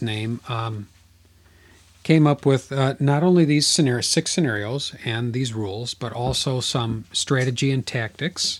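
This man has an ordinary speaking voice, medium in pitch with ordinary pitch variation, and he talks at a fairly slow pace. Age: 50s. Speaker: board wargame podcast host. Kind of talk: casual chat.

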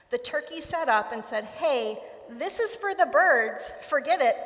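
Noticeable background noise fills the recording. Through it, a woman talks at a moderate pace. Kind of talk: reading aloud. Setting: church.

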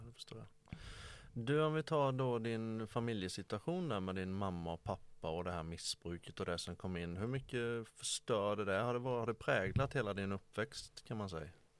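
In a very clean recording with a silent background, a man with a fairly low voice talks at a moderate pace with lively intonation in a plain, everyday voice. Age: 50s. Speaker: podcast host. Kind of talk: interview.

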